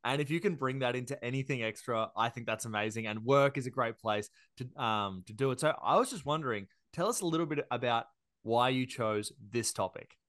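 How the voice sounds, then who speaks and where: A man's voice: medium pitch, brisk, fairly bright tone, no echo, studio quality. A man hosting a podcast, friendly and enthusiastic, with the odd filler. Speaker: podcast host.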